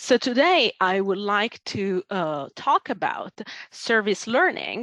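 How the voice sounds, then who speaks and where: Against a quiet background, a woman with an Italian accent speaks at a fairly slow pace and medium pitch, with ordinary pitch variation and a dry, close sound with no echo. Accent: marked Italian. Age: 30s. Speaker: university staff presenter. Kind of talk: conference presentation. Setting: video call from home. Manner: halting, many fillers.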